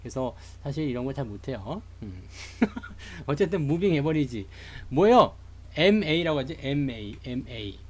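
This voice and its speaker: A man's voice: medium pitch, big pitch swings, normal speed, slightly rough. A man from Seoul giving a chatty, joking live lecture on stock charts to online viewers. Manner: chatty, jokey, greets live chat viewers. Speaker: stock market streamer.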